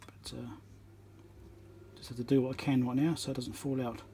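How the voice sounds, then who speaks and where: Mid-range and warm, with little pitch movement, this channel host's voice comes through as he mutters his way through a casual demo at an indoor electronics workbench. He's halting, talking to himself while focused on fiddly repair work. The phone on a tripod overhead picks up a noisy room with faint background noise.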